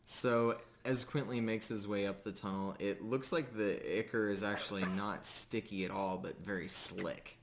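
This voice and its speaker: A man working as game master, narrating a tabletop roleplaying game in a halting, measured way. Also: on the low side, steady tone, a little hiss or hum.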